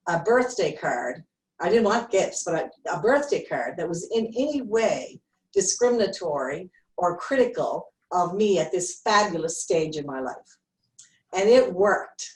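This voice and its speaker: A woman's voice: lowish voice, animated, measured pace. A woman in her sixties from Canada, telling a friendly story during a video-call town hall. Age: 60s. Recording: roomy, distant from the mic.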